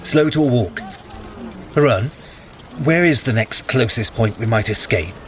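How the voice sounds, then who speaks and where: An actor playing a sardonic, scheming god in an audio drama, speaking formally with wry, cool command. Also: male voice, medium pitch, expressive, a little slow, slight background noise, close to an everyday voice. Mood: urgent, commanding.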